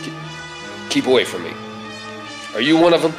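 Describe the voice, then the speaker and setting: A man's voice: medium pitch, sing-song, moderate pace, natural voice. A man acting a terrified, wary man fending people off in a radio play. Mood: panicked, wary. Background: music.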